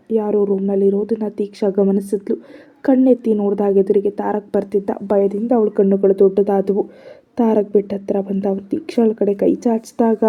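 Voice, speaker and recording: Woman, story narrator, husky voice, flat even delivery, dull lo-fi sound. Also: mid-range voice. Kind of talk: scripted audio-story narration. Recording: slightly dull lo-fi audio.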